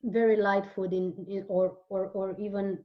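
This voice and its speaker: A woman's voice: mid-range voice, flat delivery. Romanian-native woman being interviewed, earnest, trips over her words a bit, muffled recording. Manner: earnest, halting with repeated words. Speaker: guest author and holistic therapist. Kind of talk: casual interview talk.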